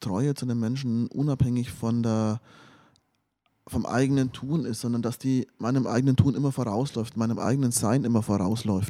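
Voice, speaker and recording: Recorded very cleanly against a silent background, a man with an unremarkable speaking voice and medium pitch talks at a fairly quick pace with fairly even intonation. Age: 40s. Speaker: pastor. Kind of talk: interview testimony. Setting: in-person recording in a lounge room.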